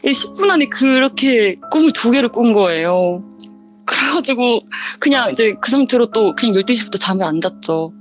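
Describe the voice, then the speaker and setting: A woman guest telling a personal ghost story in a casual interview, lively and acting out the dialogue. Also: on the high side, normal speed. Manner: lively, acts out the quoted dialogue. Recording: dull lo-fi audio with faint music bed.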